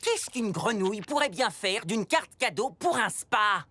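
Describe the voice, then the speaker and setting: A woman voicing a theatrical master of ceremonies in a children's cartoon, with drawn-out, emphatic phrasing. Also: mid-range voice, lively intonation, close to an everyday voice. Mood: grudging. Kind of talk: animated children's series dubbing. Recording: music bed behind the voice.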